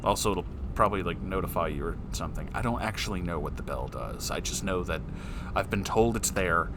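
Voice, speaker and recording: A man's voice: sits low, animated, a little fast, background noise. A man hosting a casual, rambling advice chat for his audience, speaking in a playful, affectionate, self-deprecating way. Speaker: YouTube host answering listener questions. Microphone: off-camera voice recording at a desk.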